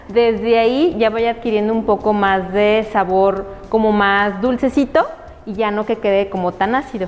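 Her pace fairly slow, a woman speaks. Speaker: cooking instructor. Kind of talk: tutorial. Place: kitchen.

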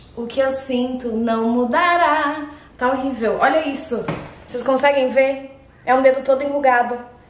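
The tone is animated, with audible room echo. Light background noise sits underneath. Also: woman, high pitch for a woman, moderate pace. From Brazil. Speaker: YouTuber; channel host. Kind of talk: casual chat; casual vlog chat, taste test. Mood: playful, joking, disgusted reactions. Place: home room.

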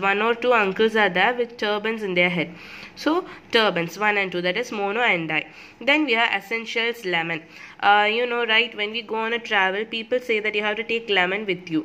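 With an Indian accent, a woman talks at a fairly quick pace in a fairly high, bright and sharp voice with ordinary pitch variation. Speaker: medical entrance exam aspirant, student. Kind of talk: casual educational tutorial to camera.

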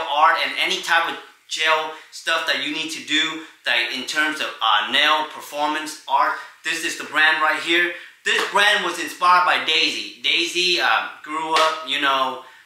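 A man at a fairly slow pace, fairly even intonation, audible room echo and light background noise. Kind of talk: casual unboxing vlog. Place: home room.

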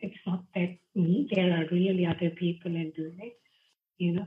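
A woman speaks at a moderate pace. Her voice sits at a medium pitch. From Sri Lanka. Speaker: spiritual coach and author; spiritual coach. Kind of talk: casual interview. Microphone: webcam.

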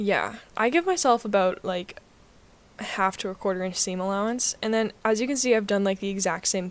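This woman's delivery moves at a moderate pace. Ordinary pitch variation runs through it. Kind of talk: tutorial. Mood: relaxed, laughing lightly.

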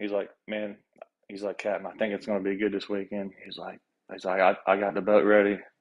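Speaking with an American accent, a man keeps a fairly quick pace. His pitch sits fairly low. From US South (South Florida); Florida. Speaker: swordfish fisherman; guest. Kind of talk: casual chat. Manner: halting. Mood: relaxed, friendly. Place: home room. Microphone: video call.

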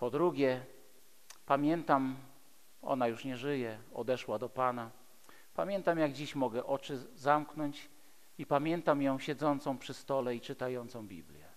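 With big swings in loudness and ordinary pitch variation, a man talks at a fairly slow pace. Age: 50s. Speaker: bishop, preacher. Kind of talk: sermon. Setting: church. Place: church. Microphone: headset.

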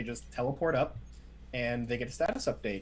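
A man talking at a fairly quick pace, with light background noise. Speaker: podcast co-host. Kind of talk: casual chat. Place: home room. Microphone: video call.

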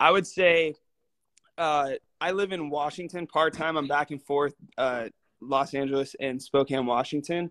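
At a fairly slow pace and a fairly high pitch, a man speaks with ordinary pitch variation and long, frequent pauses, the sound dry and close with no echo on a very clean recording with a silent background. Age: 20s. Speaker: young adult discussion guest. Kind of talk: casual group chat.

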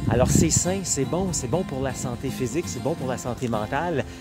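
A man talks at a fairly slow pace while clear music sounds in the background. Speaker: journalist, speaker. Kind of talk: casual vlog chat. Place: street. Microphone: phone near.

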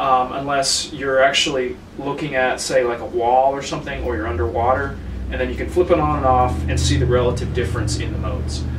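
A man speaking at a fairly quick pace, with audible room echo and light background noise. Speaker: presenter. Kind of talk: tutorial. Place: workshop.

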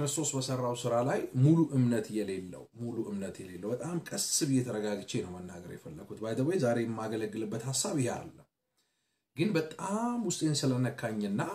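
A man's dark, mellow, somewhat breathy voice with very wide pitch swings and big shifts in loudness. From Ethiopia. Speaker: pastor. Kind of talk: sermon.

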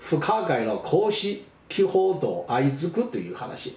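Very slowly, a man with a Chinese accent speaks amid audible room echo. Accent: Chinese-accented Japanese. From China, Sichuan. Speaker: political commentator. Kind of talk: news commentary monologue. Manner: frequent fillers, conversational. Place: home room. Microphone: webcam.

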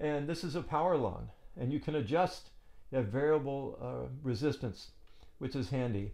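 A man is speaking. His tone is dark and mellow. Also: quiet background. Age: 70s. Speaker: trumpet player and teacher. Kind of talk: tutorial. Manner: casual; halting with filler words. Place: home room. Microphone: webcam.

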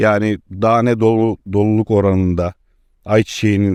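A man with a fairly low pitch and a dark, mellow tone is recorded very cleanly against a silent background, the sound dry and close with no echo. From Turkey, Foça, İzmir (Aegean). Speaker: farmer. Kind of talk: interview. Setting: outdoors.

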